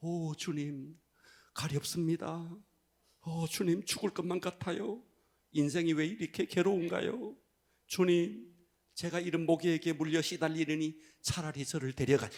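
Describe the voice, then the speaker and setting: A man puts on a whiny character voice, pitched high, speaking at a moderate pace in a whiny tone with long, frequent pauses. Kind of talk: dramatic, exaggerated. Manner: whiny, mournful, self-pitying.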